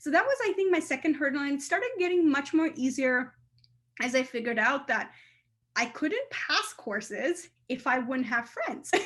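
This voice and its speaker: A woman talks with an Indian accent in a high voice. Her intonation is lively. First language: Indian mother tongue. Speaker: astrophysicist. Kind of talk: interview. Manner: fast.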